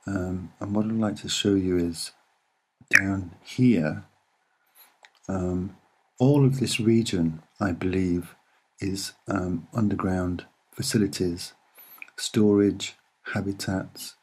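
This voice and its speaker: A soft-spoken man giving unscripted commentary on images in short, deliberate, hesitant phrases. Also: deep voice, steady tone, husky. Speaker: amateur presenter explaining photographs.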